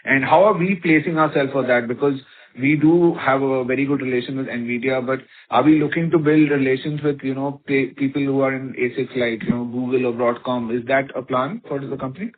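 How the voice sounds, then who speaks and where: A man's voice: medium pitch, steady tone, fairly quick. An Indian-accented man, a financial analyst asking questions on an earnings call, politely and a little hesitantly. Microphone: phone. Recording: tinny, radio-like phone line.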